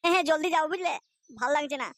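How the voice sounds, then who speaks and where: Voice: sits high, rapid-fire, no echo. An actor voicing a carefree, boastful, boozy layabout father in a comic cartoon, with a West Bengal accent and slangy, cajoling banter.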